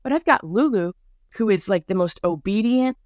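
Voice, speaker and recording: A woman's voice: mid-range voice, expressive, normal speed, darkish tone, no room sound. A woman hosting a podcast in a bubbly, chatty monologue full of asides, with a mild speech impediment on some R sounds. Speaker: podcast host. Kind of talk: casual rambling monologue.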